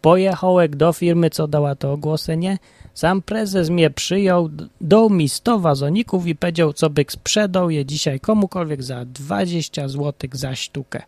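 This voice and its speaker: A man voicing a naive young highland farmhand who speaks earnestly in a Polish highlander dialect. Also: moderate pace, darkish tone, dry recording, close to an everyday voice.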